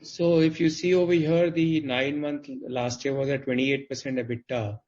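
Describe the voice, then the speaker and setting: Dull-sounding man, halting business explanations. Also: medium pitch, fairly even intonation, darkish tone. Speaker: company executive answering investors' questions. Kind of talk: earnings call answers. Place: conference call. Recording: dull, band-limited conference call audio.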